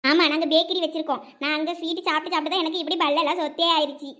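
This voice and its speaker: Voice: very high voice, little pitch movement, very fast, bright, forceful tone. A voice actor playing a spoiled, food-loving young city bride in a village cartoon, with a childish, whiny manner and a Thoothukudi Tamil accent. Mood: giddy.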